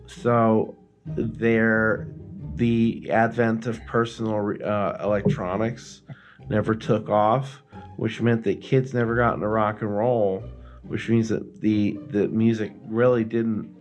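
A man's voice: on the low side, little pitch movement, slow, faint music behind. A man co-hosting a podcast, chatting casually in a rambling, explanatory way and swearing now and then. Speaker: podcast co-host. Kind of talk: casual chat.

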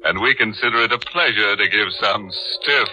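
A man's voice: fairly low pitch, moderate pace, sharp tone, faint music behind. A man playing a ghoulish, gleeful vintage horror narrator, tongue-in-cheek, in 1940s radio style. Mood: macabre glee. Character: ghoulish, gleeful punning horror show host. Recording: dull 1940s radio recording.

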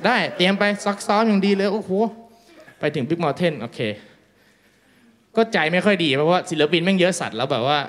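A man's voice: high-pitched, lively intonation, brisk, a bit bright. A man telling a crude, self-mocking stand-up story, acting out the dialogue. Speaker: stand-up comedian. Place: small live venue with audience.

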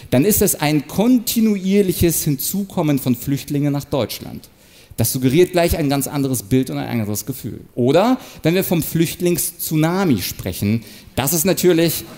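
A man giving an animated, explanatory talk on manipulation and rhetoric, sometimes acting out short example quotes. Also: on the high side. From Ukraine. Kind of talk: stage talk to an audience.

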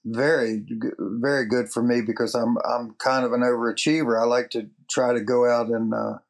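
A man giving an earnest personal faith testimony, halting and restarting as he speaks. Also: mid-range voice, flat delivery, gravelly. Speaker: church member giving a testimony.

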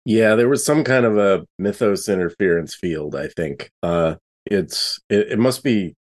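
Lowish-voiced man improvising at a game. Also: animated, unhurried. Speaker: player in a tabletop role-playing game. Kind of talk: casual improvised game narration and banter.

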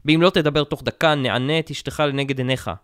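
A man's voice: medium pitch, steady tone, a bit bright, clear, resonant tone, dry recording, clean studio sound, natural voice. A man doing a barking cruel camp colonel. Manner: harsh, barking. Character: cruel German camp colonel, menacing and shouting.

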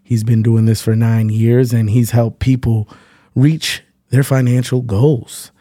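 A man's voice: mid-range voice, flat delivery, unhurried, mellow, no echo. A man hosting an interview in an office, talking in an easygoing, slangy way with lots of hype. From born in the Bronx. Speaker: podcast host. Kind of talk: casual interview chat. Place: high-rise office.

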